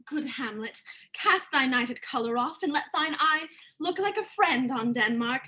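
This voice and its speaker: A woman playing a gentle, pleading middle-aged queen and mother in a livestreamed Shakespeare reading, in measured formal verse. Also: high-pitched, lively intonation, slightly rough, full character voice. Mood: gently chiding.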